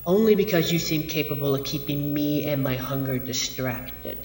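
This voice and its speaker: A man playing a grumpy, haughty monster from under a child's bed in an audio roleplay, speaking in a dry, pompous, deliberate way with exasperated sighs. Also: on the high side, soft background music, lightly acted. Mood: grudging. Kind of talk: scripted ASMR roleplay audio drama. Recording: echoey, reverberant room effect.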